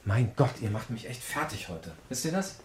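A man's voice: mid-range voice, big pitch swings, moderate pace, slight background noise, lightly acted. A man as a flamboyant, chatty cook. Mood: annoyed. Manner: theatrical, cheerful host manner. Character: chatty flamboyant housemate cooking dinner. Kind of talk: radio play acting.

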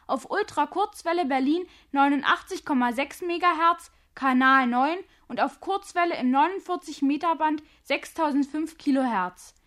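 A woman reading a formal, measured station identification in the manner of an old AM radio announcer. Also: high-pitched, fairly bright tone.

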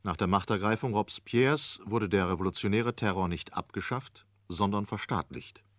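Male feature narrator, lowish pitch, formal and deliberate scripted reading, dry studio. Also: no room sound.

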